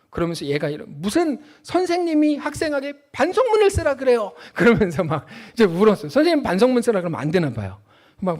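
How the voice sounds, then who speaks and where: A man in his forties preaching a sermon as pastor, shifting between loud emphasis and quiet asides, and acting out family conversations as he tells stories. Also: sits high. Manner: acts out family dialogue in storytelling.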